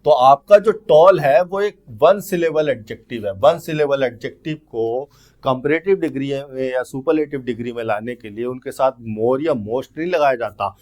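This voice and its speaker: In an exam-prep lesson, a man teaches English grammar with a medium-pitched, expressive voice of darkish tone. He breaks down explanations step by step and reads each English question slowly.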